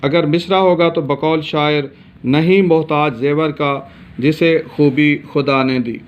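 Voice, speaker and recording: A man from Pakistan gives a grammar lesson with a somewhat high voice. He explains steadily and fills pauses with hesitation sounds. The recording is dull and lo-fi. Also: steady tone, smooth. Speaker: teacher.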